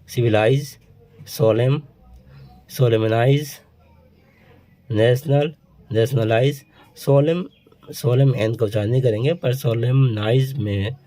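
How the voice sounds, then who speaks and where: Man, teacher, unhurried delivery, low mellow voice, steps through word lists. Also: low-quality recording. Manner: slow, listing word pairs one by one. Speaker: English teacher. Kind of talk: explaining word formation to students.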